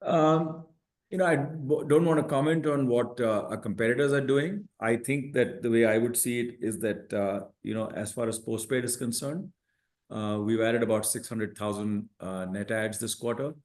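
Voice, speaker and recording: A man speaks as a senior executive on an earnings call. He is methodical and measured, laying out his points one by one at a medium pitch. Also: fairly even intonation, darkish tone. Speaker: company executive answering analysts. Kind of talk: earnings call answers, explanatory.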